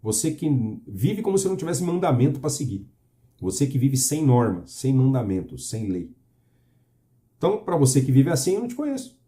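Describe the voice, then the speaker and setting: Man, Brazilian accent, preacher, earnest, emphatic, questioning, dark voice, mid pitch. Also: sing-song, a little fast. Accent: Brazilian Portuguese. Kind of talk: preaching to camera, reading scripture.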